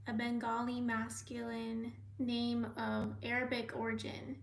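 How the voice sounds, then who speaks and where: A young American woman hosting a casual livestream, reading viewer comments aloud and often slipping into soft whispers. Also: fairly high pitch, monotone, unhurried, gravelly. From United States. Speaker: livestream host.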